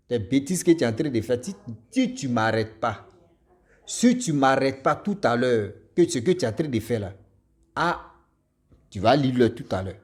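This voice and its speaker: A man telling a story in a casual, animated way, often laughing and repeating words. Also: mid-range voice, moderate pace, pauses often. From Martinique and Ivory Coast parents.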